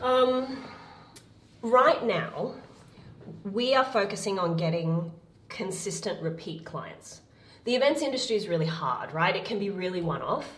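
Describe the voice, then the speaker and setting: Speaking with an Australian accent, the voice moves at a moderate pace with lively intonation. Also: woman. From Perth, Australia. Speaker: event producer. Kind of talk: casual interview chat.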